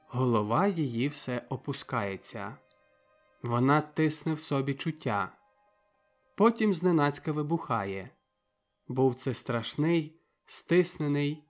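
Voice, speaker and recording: A man reading a novel aloud as an audiobook narrator, in calm, measured storytelling. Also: medium pitch. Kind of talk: scripted literary narration.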